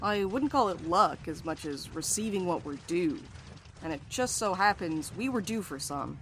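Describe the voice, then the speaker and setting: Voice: mid-range voice, animated, normal speed, fairly bright tone, slight background noise. A performer playing a blunt, wry and loyal tough companion in an audio drama. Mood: wry, confident.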